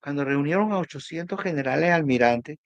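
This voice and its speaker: A man with a slightly high voice and a Venezuelan Caribbean accent talks politics as an analyst. He is emphatic and conversational, often halting and repeating himself for weight. The sound is close and dry. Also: lively intonation, no room sound, lo-fi sound. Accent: Venezuelan Spanish. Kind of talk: animated political discussion, conversational.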